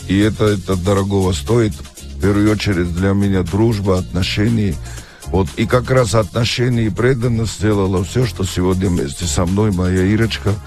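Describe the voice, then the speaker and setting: A man guest in a radio studio interview, speaking earnestly and warmly about his work, often stumbling over his words. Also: lowish voice, fairly even intonation, normal speed, faint music behind. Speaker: guest singer.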